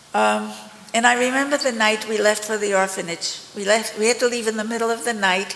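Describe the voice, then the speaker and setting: Moderate pace against noticeable background noise. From Poland, then New Jersey from age 11. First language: Polish. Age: 80s+. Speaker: Holocaust survivor speaker. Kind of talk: reading aloud from own memoir; testimony.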